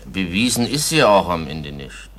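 Deep, animated, blunt villager. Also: male voice, normal speed, slight background noise. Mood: argumentative. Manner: emphatic, argumentative. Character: blunt, contrary village farmer arguing in company. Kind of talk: German radio play acting.

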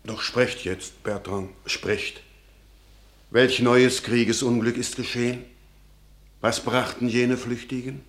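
A man's voice: mid-range voice, level tone, slow. An actor playing an anxious, pious old peasant father in a classical radio play, solemn and declamatory. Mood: urgent. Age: older.

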